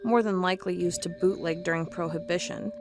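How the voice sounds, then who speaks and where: A woman's voice: fairly low pitch, fairly even intonation, fairly quick, over music, natural voice. A woman playing a stubborn, sarcastic investigator of cold cases in an audio drama, with a wry, defiant manner. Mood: focused. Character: stubborn, sarcastic female cold-case investigator hunting monsters.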